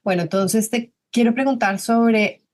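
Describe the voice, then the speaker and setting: A woman's voice: fairly high pitch, a little slow, a little mellow. Woman podcast host asking questions. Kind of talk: interviewing, casual conversation.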